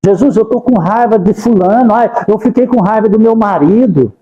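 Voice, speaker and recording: A spiritist lecturer with a high, mellow voice gives a devotional talk in a spiritist center hall, offering fervent, pleading prayers and repeatedly saying the name of Jesus. He speaks a little fast, and his voice carries a long reverb through the roomy hall. The recording sounds muffled.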